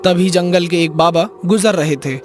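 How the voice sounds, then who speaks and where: Casting: male storyteller for cartoon horror, fairly high voice, scripted narration over clearly audible music. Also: moderate pace. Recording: music behind the voice.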